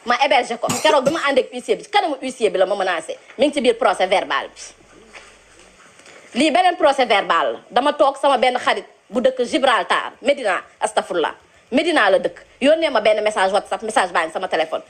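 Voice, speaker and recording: A woman's voice: on the high side, very animated, brisk. A woman giving an earnest, detailed personal account of a complaint. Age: 30s.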